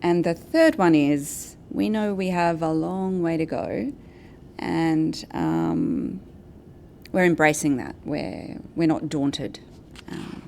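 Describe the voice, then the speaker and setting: Aussie woman doing a conference talk, lowish voice, measured, noisy live event recording. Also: darkish tone. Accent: Australian. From Australia, New South Wales and Brisbane. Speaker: guest speaker, advocacy and communications director. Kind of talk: prepared conference presentation. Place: event venue with an in-person audience.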